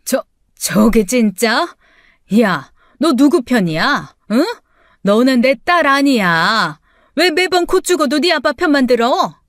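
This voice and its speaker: A woman's voice: fairly high pitch, unhurried, dry recording, studio quality, natural voice. A woman voicing a bitter, self-pitying middle-aged mother who scolds shrilly and snaps back sharply. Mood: indignant.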